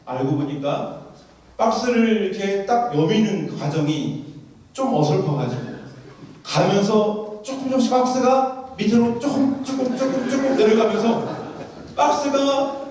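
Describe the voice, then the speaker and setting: A man preaching in a large church, his high voice ringing through a very echoey hall. He sounds set back from the microphone, and he tells his story vividly, acting out what the people in it said. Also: animated, a little slow, a little mellow, recorded from a distance. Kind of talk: sermon with storytelling.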